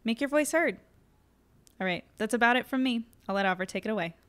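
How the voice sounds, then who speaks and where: A woman's voice: a little high, expressive, fast, fairly bright tone. A woman podcast host giving a scripted, conversational announcement to listeners.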